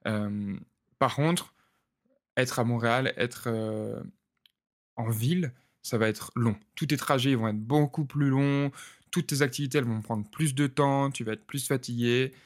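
A man's voice: mid-range voice, a little slow. Man, twenties, easygoing podcast co-host, short listed phrases. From France. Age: 20s. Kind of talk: casual podcast chat.

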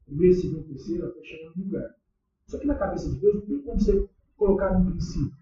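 Man, Brazilian Portuguese accent, pastor preaching in church, casual slangy questions, high voice, heavy echo, distant muffled mic. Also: fast, warm tone. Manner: conversational, asks the congregation questions, slangy. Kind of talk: sermon. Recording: echoey church hall, distant dull mic.

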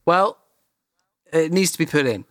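A man's voice: on the high side, lively intonation, unhurried, a bit bright, no echo, clean studio sound. A man ranting animatedly in casual chat as a podcast co-host, swearing freely.

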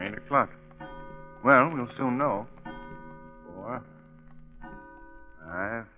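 An actor playing a suave, unruffled gentleman adventurer in an urbane, composed old radio drama style. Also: fairly low pitch. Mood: calm, watchful. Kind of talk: 1930s radio drama acting. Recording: tinny vintage radio, faint music.

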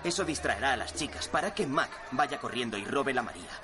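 A man acting a cocky, excitable young ringleader in a Spanish comedy dub, with a Castilian accent. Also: medium pitch, brisk, music in the background, natural voice. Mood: earnest, scheming. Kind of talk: comedy film dubbing.

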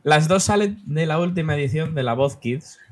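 A man's voice: fairly high pitch, lively intonation. A man co-hosting a podcast, presenting songs and commenting in casual conversation. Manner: presenting songs, quick remarks. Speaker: podcast co-host. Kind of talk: casual chat.

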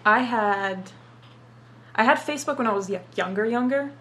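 Her voice sits a little high and a bit bright, moving at a normal speed, with a slight hiss or hum on the recording. She's a young woman from Dubai, a native Arabic speaker, chatting through a casual interview while cursing freely and peppering her answers with "like."

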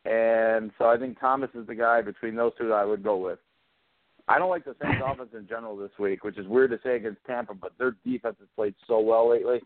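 A man's voice: fairly low pitch, fast talker, dry recording. Blunt male fantasy football panelist. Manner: blunt, confident opinions with playful jabs. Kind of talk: sports radio panel talk. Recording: dry, phone-like narrow band.

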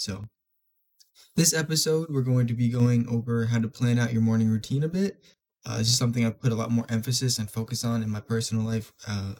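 Young male podcast host, congested nose, mellow dark tone, loose filler-heavy delivery. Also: medium pitch, gravelly. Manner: casual, many filler words and restarts. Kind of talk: solo self-improvement podcast talk.

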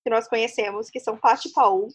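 Fast-talking woman podcast host. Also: on the high side, steady tone, slightly rough. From Brazil. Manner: chatty, laughs often, fast-talking. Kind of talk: casual chat.

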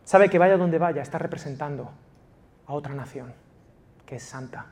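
A man from Spain preaching a passionate sermon as pastor of a church, swinging from loud emphasis to quiet intimacy. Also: a little high, normal speed, slight background noise. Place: church in Valencia.

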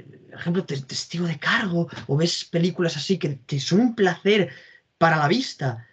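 A man's voice: on the high side, breathy edge. A man talking casually and with enthusiasm about films, repeating his phrases and stumbling over words. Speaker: film discussion co-host. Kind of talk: casual film chat. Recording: dull lo-fi audio.

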